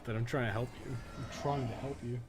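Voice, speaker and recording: A man's voice: mid-range voice, fairly even intonation, fairly quick, a crowd in the background. A man giving casual live gameplay commentary as a streamer, swearing casually. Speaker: game livestreamer. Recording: clearly noisy background.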